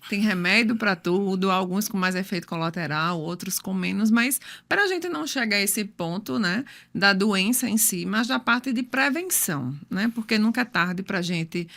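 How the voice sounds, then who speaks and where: A woman's voice: mid-range voice, animated, normal speed, few pauses, fairly bright tone. A woman, hosting a podcast interview. She puts long, winding questions to her guest. She often ends phrases with a short tag asking for agreement. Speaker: podcast host.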